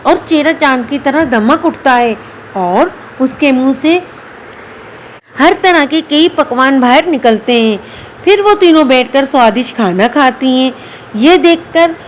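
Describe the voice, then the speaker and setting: A woman narrating a children's fairy tale in an expressive, dramatic storytelling manner. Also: high voice, slight background noise, poor audio.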